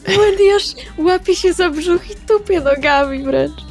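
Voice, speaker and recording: A woman's voice: very high voice, unhurried, darkish tone. A woman roleplaying casually in a tabletop game, with a playful, informal way of talking. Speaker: tabletop RPG player. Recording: music behind the voice.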